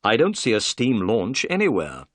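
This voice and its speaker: A man reading the lines of a calm, clever detective in a brisk, polite, measured way. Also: on the low side, no room sound, clean studio sound.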